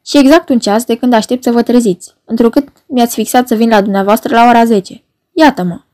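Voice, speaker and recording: A woman's voice: a little high, fairly even intonation, a little mellow, natural voice. A woman doing a suave mocking foreigner in black. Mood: courteous. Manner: heavy voice, foreign accent, smiling and courteous.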